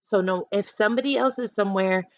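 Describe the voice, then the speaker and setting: A woman teacher reading aloud to children, adding chatty instructive asides in an expressive manner. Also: mid-range voice, fast, no room sound, dull audio. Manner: expressive, instructive, acts out short examples.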